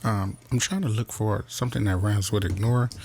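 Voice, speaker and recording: A man speaking at a moderate pace, with noticeable background noise. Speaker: music producer. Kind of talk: tutorial. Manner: casual, laid-back.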